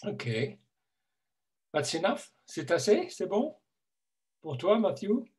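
A man in his fifties hosts a video call from a room at home. He talks slowly, hesitating over his words, and his voice sits a little high for a man. He teases his guests now and then. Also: sing-song, a little mellow. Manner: hesitant, many fillers, playful teasing. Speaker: host. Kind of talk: casual video call chat.

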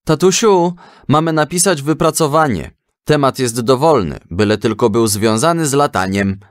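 Eager, animated schoolboy, acted by a man. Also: mid-range voice, moderate pace, dry recording, clean studio sound, pitched above the performer's own voice, natural voice. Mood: excited. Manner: earnest, animated. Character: eager, proud young schoolboy talking to his father. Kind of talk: children's audio story.

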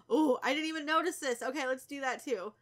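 A young woman with a cold, stuffy and a little raspy, chatting casually through a let's play and teasing the characters. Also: high-pitched, brisk. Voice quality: slightly raspy. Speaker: gaming YouTuber.

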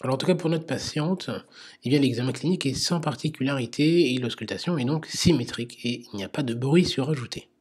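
Husky man teaching a medical quiz. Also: mid-range voice, fairly quick, darkish tone. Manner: explanatory, many hesitations. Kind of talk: quiz-style medical lecture.

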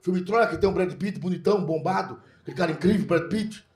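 High-voiced, gravelly comedian on stage. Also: male voice, fast. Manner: crude, animated storytelling with mock foreign voices. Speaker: stand-up comedian. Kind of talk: stand-up comedy set. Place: comedy club stage with a live audience. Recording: echoey room, loud crowd laughter.

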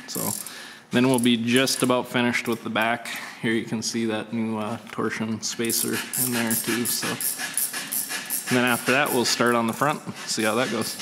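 A man's voice: mid-range voice, fairly bright tone, big-room sound. A man hosting a casual DIY how-to walkthrough, laid-back and plain-spoken, explaining each step with frequent fillers. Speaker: channel host.

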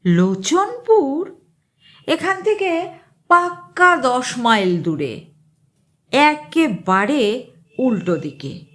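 A woman's voice: high voice, big pitch swings, drawn-out words, pauses often, pitched above the performer's own voice, exaggerated voice. A woman doing a folksy village fisherman. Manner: folksy, plain-spoken. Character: rustic village fisherman, plain-spoken man.

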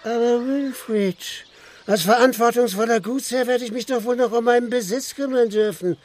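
An actor playing a drunken, mocking, lecherous village squire and colonel in a German radio play. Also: male voice, very high voice, moderate pace, a little hiss or hum. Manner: sneering, swaggering, swinging from murmurs to shouts.

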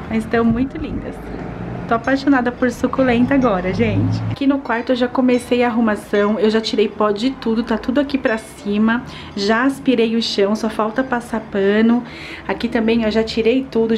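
A young Brazilian woman vlogs her chores around a small apartment, moving between the bedroom and bathroom while chatting upbeat and directly to viewers. She has a Brazilian Portuguese accent and a slightly high voice, and the handheld wide-angle camera mic picks up a little hiss or hum.

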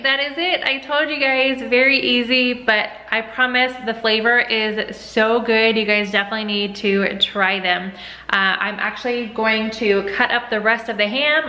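Young woman, home-kitchen cooking vlogger, bright and chatty, close to the camera. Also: medium pitch. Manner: chatty, upbeat, addresses viewers as y'all and guys. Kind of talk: casual cooking vlog. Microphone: camera at close range.

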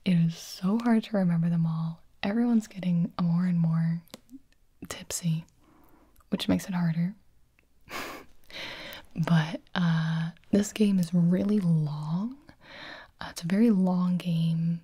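A young woman in her twenties whispering in a breathy voice, chatting playfully as she explains party games in an ASMR style. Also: on the low side, fairly even intonation, slow pace, pauses often, dark tone. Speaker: ASMR creator.

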